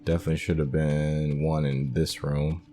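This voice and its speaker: A man with a very low, deep voice talks his way casually through a video game. He thinks aloud in an unscripted, muttering way, as if half to himself. Music plays behind him. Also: level tone, normal speed, dark tone. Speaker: gamer, video game playthrough host. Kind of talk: casual, unscripted gameplay commentary.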